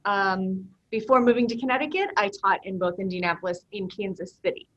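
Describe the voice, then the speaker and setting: Woman, from the Midwest, teacher, steady presentation to parents, muffled recording. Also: mid-range voice, brisk. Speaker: language teacher. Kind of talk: back-to-school night presentation.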